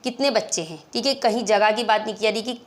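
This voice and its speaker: A woman's voice: medium pitch, fast talker. A woman with a South Asian accent and native Hindi-Urdu, teaching English in an instructive, repetitive way with frequent check-ins. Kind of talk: spoken lesson explaining English questions in Hindi-Urdu.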